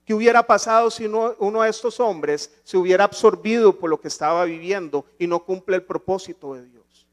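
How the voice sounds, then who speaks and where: A man with a notably high-pitched voice delivers a church sermon. He leans on rhetorical questions and swells into emphatic declarations before dropping back down. The delivery is that of a pastor addressing his congregation. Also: a little fast.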